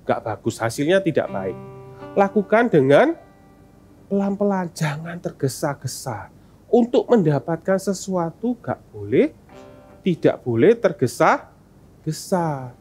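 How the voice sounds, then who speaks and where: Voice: medium pitch, measured pace, long pauses, breathy edge, faint music behind. A children's ministry teacher giving a sermon, often asking the kids questions. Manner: animated, asks kids questions.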